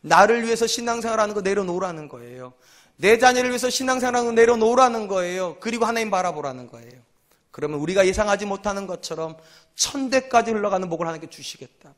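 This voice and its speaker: A man's voice: high voice, animated, fast talker. A male senior pastor preaching a sermon to his congregation. He asks rhetorical questions and repeats key lines for emphasis. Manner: acts out quoted voices in short dialogues.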